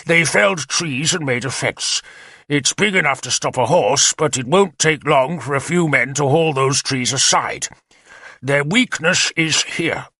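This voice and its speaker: A man voicing a confident, energetic male war leader who lays out battle plans decisively. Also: on the high side, unhurried, dry recording, clean studio sound, voice pushed up, full character voice. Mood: commanding. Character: bold confident male warlord commander.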